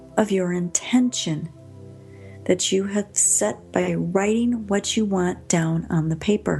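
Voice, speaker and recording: A woman speaks in a calm, soothing tone at medium pitch with fairly even intonation. Her pace is very slow, with music in the background. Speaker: radio host and guided meditation guide. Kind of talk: guided meditation narration. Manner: calm, slow, soothing.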